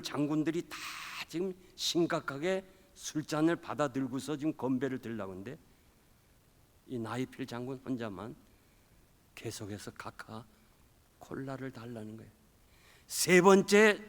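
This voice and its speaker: A male pastor preaching a revival sermon, telling a story and acting out the quoted voices, swinging between loud and soft. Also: fairly high pitch. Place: church sanctuary. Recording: long hall reverb.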